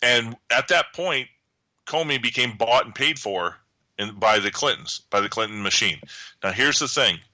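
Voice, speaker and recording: A man's voice: mid-range voice, moderate pace, pushed and bright, no room sound, poor audio. A man in a heated political discussion who talks insistently, repeating phrases to hold the floor. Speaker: guest commentator.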